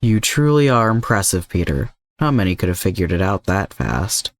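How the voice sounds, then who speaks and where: A man voicing a calm, manipulative older mercenary villain in an audio story, composed and coaxing. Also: deep voice, moderate pace, no echo, clean studio sound. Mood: smug, composed.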